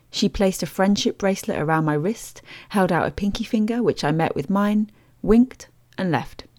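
A woman hosts and narrates a language-travel podcast in a scripted, measured voice-over. Her voice sits a little low and paints each scene with careful description. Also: mellow.

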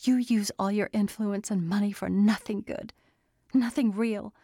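A woman's voice: medium pitch, steady tone, unhurried, dark tone, husky, no room sound, clean studio sound. A woman voicing a defiant young heroine who speaks in a raised, strained voice as she faces down a demon.

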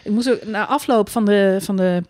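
A woman co-hosting a podcast, chatting animatedly and quickly about motor racing and mocking drivers with put-on quotes. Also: medium pitch, a little mellow, no room sound, studio quality. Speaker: podcast co-host.

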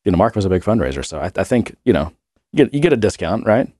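A man's voice: fairly low pitch, big pitch swings, fast talker, warm tone, no echo, clean studio sound. A man co-hosting a podcast in casual chat, rambling and laughing often while he has a cold and cough. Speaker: podcast co-host.

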